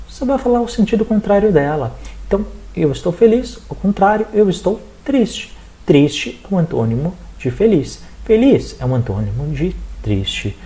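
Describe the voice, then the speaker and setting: A teacher from Brazil with a Brazilian accent, giving a recorded exam-prep lesson, talking straight to the students and checking in often to see they follow. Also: mid-range voice. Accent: Brazilian Portuguese. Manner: animated, addresses students directly, checks in with frequent "tá?".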